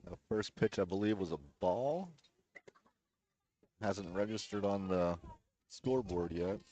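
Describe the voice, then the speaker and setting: A man's voice: sits low, unhurried, dark tone, highs cut off. A man giving casual, playful color commentary on a youth baseball game.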